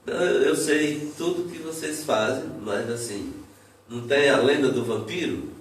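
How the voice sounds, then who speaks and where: A man's voice: medium pitch, normal speed, a little hiss or hum. A man with a Brazilian Portuguese accent, a cordel poet, chatting casually and often repeating words as he thinks. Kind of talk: casual conversation. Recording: echoey room, mic far off.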